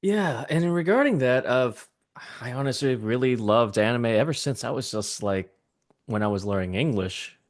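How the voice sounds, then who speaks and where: A man's voice: mid-range voice, lively intonation, moderate pace. A man in his thirties whose first language is Vietnamese, chatting casually as a podcast guest and gushing eagerly about cartoons. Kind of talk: casual chat.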